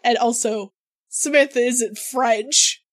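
A woman's voice: on the high side, takes it slowly, no echo. A woman narrating as game master of a tabletop game, teasing and laughing often.

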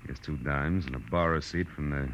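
An actor playing a tired, brusque, wisecracking private detective in a 1940s radio drama. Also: male voice, a bass voice, normal speed, fairly bright tone, muffled recording, slight background noise. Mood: weary, sardonic. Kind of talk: 1940s radio drama acting and first-person narration. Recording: old radio recording with music.

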